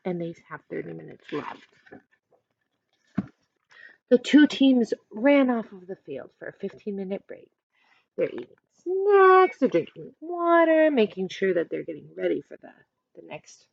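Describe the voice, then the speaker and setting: A woman's voice: mid-range voice, vocal fry, a little mellow, dry recording, muffled recording. A woman teacher reading a picture book aloud expressively, adding instructive asides and questions for listeners.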